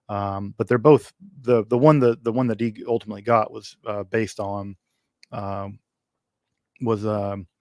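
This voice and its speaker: A man with a somewhat low voice hosts a casual livestream Q&A, answering viewer questions off the cuff. He rambles, fills gaps with ums and restarts, and drops wry asides. The sound is dry and close to the mic. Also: no echo.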